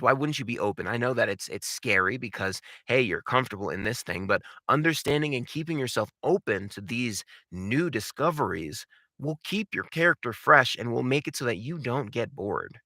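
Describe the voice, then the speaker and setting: A man coaching in an informal instructional style, animated and emphatic, speaking directly to his viewers. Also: fairly low pitch, gravelly, no room sound, clean studio sound. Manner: animated, emphatic, uses rhetorical questions and repetition. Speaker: voice acting coach and video host. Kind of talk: instructional talk to camera.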